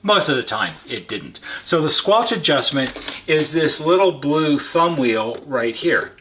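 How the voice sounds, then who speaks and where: Bright-voiced man explaining a repair. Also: a little high, big pitch swings, unhurried, a little hiss or hum. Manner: plain-spoken, step-by-step, emphatic repetition. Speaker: repair technician giving a how-to demonstration. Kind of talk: informal instructional explanation.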